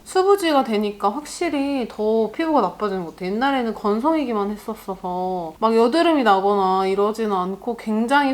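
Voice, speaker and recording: A young woman doing a makeup vlog in casual chat, animated and laughing often as she reads comments. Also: medium pitch. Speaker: beauty YouTuber. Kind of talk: get-ready-with-me makeup vlog.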